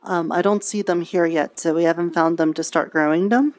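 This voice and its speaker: A woman playing a gentle fantasy mushroom grower in improvised roleplay, talking hesitantly in simple, childlike phrases. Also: fairly low pitch, steady tone, a little fast, lightly acted. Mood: helpful, careful. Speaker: roleplay streamer. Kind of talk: improvised in-character virtual-world roleplay chat.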